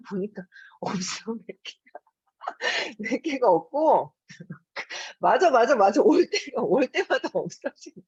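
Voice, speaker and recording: A woman's voice: on the high side, big pitch swings, slow, pauses often, darkish tone, slightly rough, no echo. A woman in her fifties hosting her own channel, telling a home story in a chatty, casual way and laughing often between her words. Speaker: host. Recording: dull lo-fi recording.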